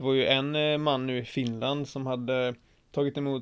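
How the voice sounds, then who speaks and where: His voice is medium in pitch for a man. He speaks in a monotone, with flat intonation. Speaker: car podcast co-host. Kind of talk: casual chat.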